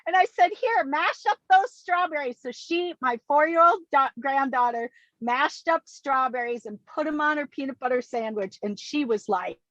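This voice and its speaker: A woman's voice: sits high, normal speed, fairly bright tone, dry recording. A sixty-year-old woman, an enthusiastic, giggly interview guest chatting casually from inside a car on a remote call. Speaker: interview guest, kindergarten teacher. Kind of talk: casual, animated chat. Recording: dull, close, lo-fi call audio.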